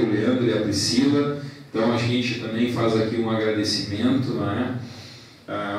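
A man in his forties, president of a professional council, giving a formal ceremony speech into a handheld mic in a large hall. He speaks in a measured way, listing thanks and points with pauses. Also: lowish voice. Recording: echoey hall from a distance.

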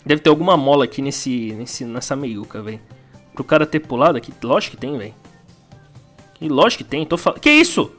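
A young man with a Brazilian accent commentates his own gameplay, bursting into exclamations and slang. His pitch leaps up and down constantly, and faint game music plays underneath. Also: sing-song, brisk, a bit bright. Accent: Brazilian Portuguese. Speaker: gaming YouTuber.

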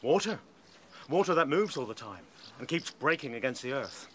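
A man's voice: medium pitch, sing-song, moderate pace, slight background noise, lightly acted. An actor with a British accent playing a blunt, hearty male rabbit in a radio play. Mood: matter-of-fact. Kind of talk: radio drama acting.

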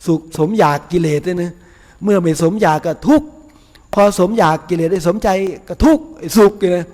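This monk's voice sits high with a darkish tone, moving fairly quickly and sounding like it fills a big room. Ahead of a meal in the temple hall, he gives a relaxed, homespun sermon full of laughter and rhetorical questions.

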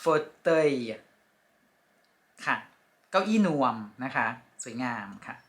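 A woman teaching French vocabulary from picture cards, speaking slowly and politely and repeating each word with care. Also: very deep voice, very animated, noisy background. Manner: polite, ending phrases with soft particles. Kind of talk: casual lesson with picture cards.

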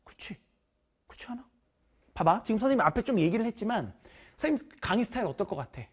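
Lively, husky-voiced male math teacher. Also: high-pitched, fast talker. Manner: animated, teasing, bursts of shouting; informal, addresses students directly. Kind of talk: online lecture orientation.

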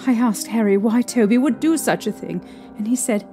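A young woman playing a distraught, haunted mother recounting her ordeal emotionally and haltingly in an audio drama. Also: a little high, mellow, soft background music, close to an everyday voice. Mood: horrified.

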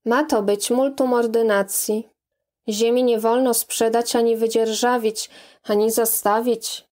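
Hesitant gentle young man, read by a woman, soothing, evasive, slow, audiobook. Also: a little high, fairly even intonation, lightly acted. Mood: reserved.

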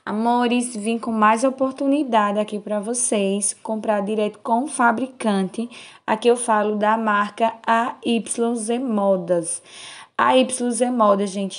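Host read: Pernambuco woman, unhurried promo voice-over, sing-song and affectionate. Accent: Pernambuco Portuguese. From Brazil. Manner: slow, sing-song sales pitch, affectionate. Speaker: fashion wholesale channel host. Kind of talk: promotional product showcase voice-over.

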